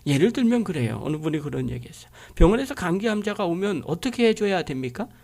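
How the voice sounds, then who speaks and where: A woman's voice: on the low side, very animated, fast, darkish tone. A woman pastor delivering a sermon, driving her points home with frequent rhetorical questions.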